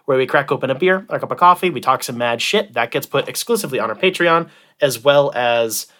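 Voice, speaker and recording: A man's voice: mid-range voice, lively intonation, brisk, pushed and bright. A man hosting a podcast in casual, profane banter, rambling and joking with a sarcastic streak. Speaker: podcast host.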